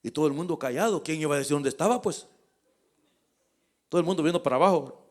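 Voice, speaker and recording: A man preaching a lively, conversational sermon as pastor. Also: a little high, fast talker.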